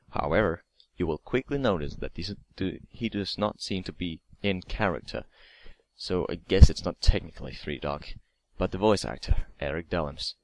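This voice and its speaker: A man's voice: deep voice, a little mellow, no room sound. A man reading a scripted creepypasta story aloud as narrator, now and then stumbling over and repeating words. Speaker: narrator of online horror stories.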